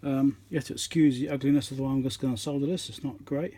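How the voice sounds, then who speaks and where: A man giving casual hands-on commentary as he works, halting and half talking to himself while he concentrates, recorded on a phone at an indoor workbench. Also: mid-range voice, fairly even intonation, warm tone. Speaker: electronics repairer, channel host. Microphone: phone on a tripod above the work. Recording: noisy room recording on a phone.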